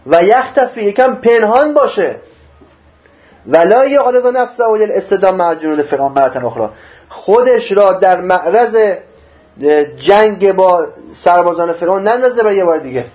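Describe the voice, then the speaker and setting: A man's voice: high-pitched, animated. A man giving a religious lesson. He reads passages in Arabic, then explains them in plain Persian, asking rhetorical questions. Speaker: religious teacher. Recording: dull lo-fi recording.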